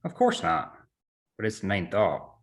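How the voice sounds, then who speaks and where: A man's voice: fairly low pitch, wildly swooping pitch, a little slow. A man playing a flirty, teasing sweetheart at a screenplay table read.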